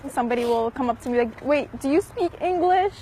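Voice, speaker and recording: Lively high-voiced young woman. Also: fairly quick, breathy edge, rough recording. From Egyptian family. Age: young adult. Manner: lively storyteller, laughs while retelling. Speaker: university student interviewee.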